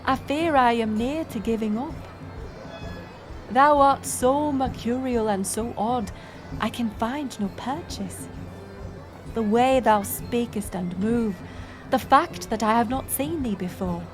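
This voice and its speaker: A woman's voice: on the high side, music in the background. A woman playing a playful, curious village woman in a romantic audio roleplay, speaking in archaic thee-and-thou English. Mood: teasing, puzzled. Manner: archaic thee-and-thou speech, slow and musing. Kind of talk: romantic audio roleplay acting addressed to the listener.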